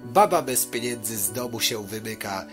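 A man's voice: medium pitch, animated, normal speed. A man narrating a rhyming storybook tale with a theatrical storyteller delivery. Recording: music under the voice. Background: music.

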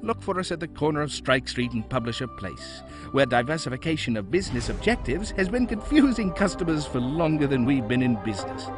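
A man playing an earnest, upbeat pitchman in a parody radio commercial. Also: very animated, fairly quick, hardly any pauses, music in the background, lightly acted. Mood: upbeat, salesy.

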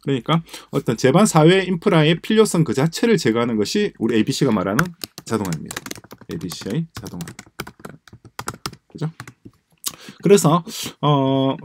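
Lively-voiced man thinking aloud. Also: medium pitch. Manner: musing, repeats phrases, trails off to mumbles. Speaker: presenter explaining a coding project. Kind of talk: screen-share lecture while typing notes. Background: keyboard typing.

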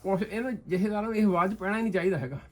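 A man speaks at a rapid clip in a political discussion. His voice sits a little high and he talks emphatically, now and then sinking quieter for an aside. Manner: talks fast, emphatic, often animated, drops low for asides. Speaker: interview guest.

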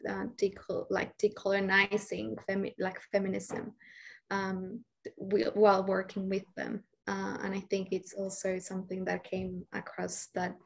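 A young woman from Colombia commenting and asking a question in a webinar, halting as she searches for words. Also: mid-range voice, completely flat delivery, gravelly. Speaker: audience discussant. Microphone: laptop mic on video call.

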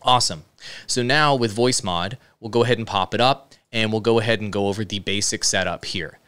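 A man hosts a casual software tutorial, explaining each step. His voice is fairly low and clean, recorded close on a broadcast microphone indoors. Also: fairly quick, clean tone. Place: indoor streaming room. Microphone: close dynamic broadcast microphone with headset monitoring.

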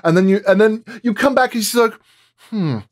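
A man's voice: high voice, moderate pace. Man chatting as a sound designer. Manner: animated storytelling, acts out quoted dialogue. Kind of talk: casual roundtable chat, explaining with anecdotes.

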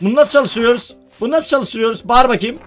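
A man hosts a gaming video with excited let's-play commentary, chatting with viewers and often bursting into shouted exclamations. His voice is very high and fast, with faint music behind him.

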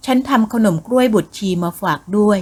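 A woman voicing a sweet, devoted young village woman in an audiobook, speaking slowly and dotingly. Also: medium pitch, darkish tone, lightly acted.

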